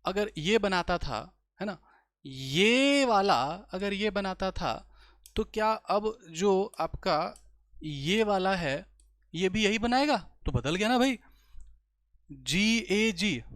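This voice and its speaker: A young man teaching biology in a lecture, often pausing to check the class follows. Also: high-pitched, a bit bright, no room sound, studio quality. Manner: slow explaining, many rhetorical checks. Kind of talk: online exam-prep lecture.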